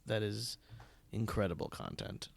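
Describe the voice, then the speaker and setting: A man's voice: lowish voice, lively intonation, unhurried, creaky. A man speaking as a guest in a casual, conversational podcast. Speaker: podcast guest, stage actor.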